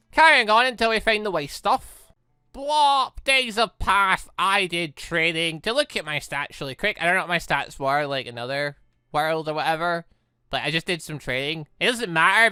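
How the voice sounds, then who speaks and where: Animated man rambling through game commentary. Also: high-pitched, clean tone, no echo, studio quality. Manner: rambling, self-interrupting, playful sound effects. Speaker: gaming video host. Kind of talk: casual let's-play commentary, reading dialogue aloud.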